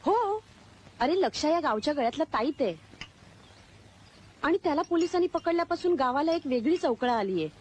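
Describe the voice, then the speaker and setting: A woman's voice: sits high, expressive, moderate pace, pauses often, a little mellow. An actress playing a fiery young village woman who scolds and threatens to protect the man she loves. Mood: worried. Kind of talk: comedy film acting. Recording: film soundtrack with background noise.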